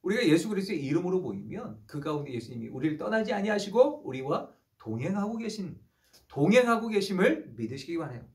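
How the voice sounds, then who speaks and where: Male pastor, 30s, sermon delivery; high, very animated pitch, punches key phrases. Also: a little fast. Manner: preacherly, rising emphasis on key phrases.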